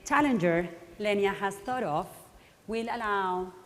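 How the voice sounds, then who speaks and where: A woman with a mid-pitched voice moderates a conference session, explaining the format informally. The sound carries the long reverb of a big hall. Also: a little slow. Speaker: panel moderator.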